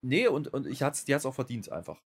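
A man's voice: medium pitch, fast, husky. A man co-hosting a wrestling review podcast, chatting casually, often working himself into a rant with many fillers. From Germany. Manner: animated, ranting with many fillers. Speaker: podcast co-host. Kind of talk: casual chat.

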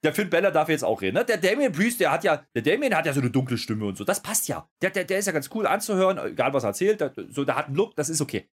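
Animated, fast-talking man on a podcast. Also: a little high. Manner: animated, rambling rants. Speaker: wrestling podcast co-host. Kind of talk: casual podcast chat.

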